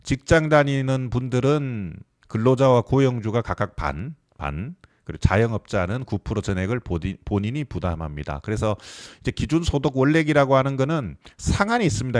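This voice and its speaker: Delivering a live, explanatory lecture on pension reform, a man in his fifties poses questions to his listeners. His voice is medium-pitched, captured in a dry, studio-quality recording.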